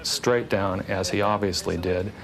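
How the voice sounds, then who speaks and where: A man, a hang glider pilot, calmly recounting an accident he witnessed in an interview. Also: sits low, measured pace, music in the background. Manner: calm, matter-of-fact recollection. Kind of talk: interview testimony.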